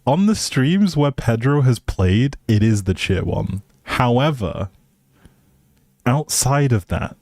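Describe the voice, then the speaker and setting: A man's voice: mid-range voice, lively intonation, takes it slowly, darkish tone, dry recording, clean studio sound. A man hosting a livestream, chatting casually and informally straight to his viewers. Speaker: livestream host.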